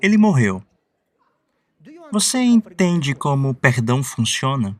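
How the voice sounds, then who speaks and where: A man preaching a sermon, telling a story in a lively way and giving voice to the people in it. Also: mid-range voice, a little slow, recorded from a distance. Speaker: pastor.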